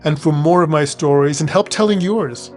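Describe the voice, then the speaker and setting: A man hosting a reflective spiritual podcast, talking slowly and deliberately, phrase by phrase, and reading inspirational passages in a gentle voice. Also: on the high side, faint music behind. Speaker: podcast host.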